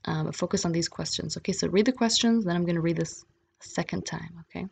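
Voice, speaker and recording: A woman's voice: on the low side, fairly quick, vocal fry, darkish tone, a little hiss or hum. A woman giving a casual French listening lesson, mixing English explanations with French and reading a book passage aloud. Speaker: French teacher.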